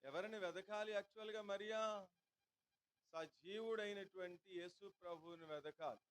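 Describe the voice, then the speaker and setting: A man's voice: high-pitched, moderate pace, rough recording. Telugu-speaking pastor questioning his congregation. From India. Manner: asks the congregation repeated rhetorical questions. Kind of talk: sermon. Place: church hall.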